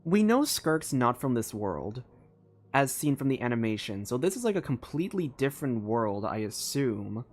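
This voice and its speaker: A casual, expressive streamer reacting live to a game. The voice is medium in pitch and highly animated, rising and falling freely. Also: normal speed, faint music behind.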